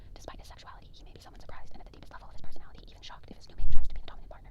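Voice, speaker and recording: Very fast whispering against noticeable background noise. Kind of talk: ASMR whisper reading of a vintage book. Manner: whispered.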